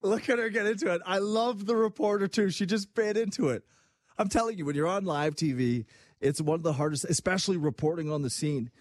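A man's voice: sits high, a little fast, no room sound, studio quality. A man hosting a sports talk show, chatting casually and acting out the voices he quotes. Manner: animated, acts out quoted voices. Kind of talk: casual chat.

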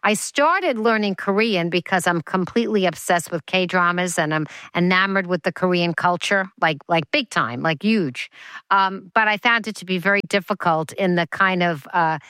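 A woman hosts an interview in a chatty, enthusiastic way. Her voice is smooth and resonant, recorded close and dry. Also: lowish voice, normal speed, fairly bright tone, dry recording. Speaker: radio or podcast host. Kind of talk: interview hosting.

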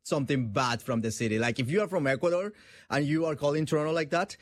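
A man's voice: on the high side, quick pace, no echo, clean studio sound. A man from Colombia, co-hosting a talk show and speaking bluntly and emphatically. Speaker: co-host. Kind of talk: casual chat.

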